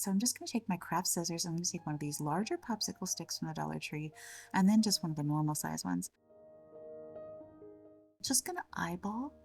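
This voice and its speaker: A woman with a slightly scratchy voice from a cold, gently narrating a step-by-step craft tutorial in a chatty way. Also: on the low side, recorded from a distance. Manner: gentle, chatty, fond of the word little. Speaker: craft channel host.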